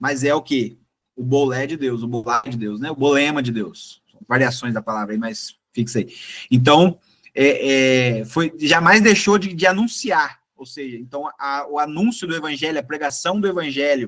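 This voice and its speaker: This man's voice sits at a fairly high pitch, and his intonation is lively. His loudness swings widely. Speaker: Bible class teacher. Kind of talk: Bible lecture. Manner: fast; animated.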